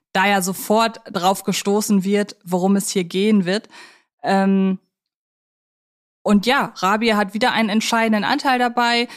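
Female podcast co-host, mid-range voice, reflective and searching in conversational film talk. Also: mid-range voice.

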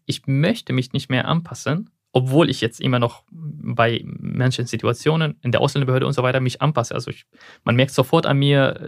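As an interview guest, this young Syrian man speaks German as a second language, weighing his answers and occasionally groping for the right word or slipping up. His voice is mid-range, recorded at studio quality with no echo.

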